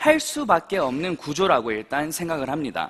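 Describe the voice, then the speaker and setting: An American-accented man speaks at a moderate pace in an animated tone, his pitch swinging very widely. Noticeable noise sits in the background. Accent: American accent in Korean. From United States. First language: English (speaking Korean). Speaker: network marketing speaker. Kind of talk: seminar lecture. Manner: animated, asks audience questions.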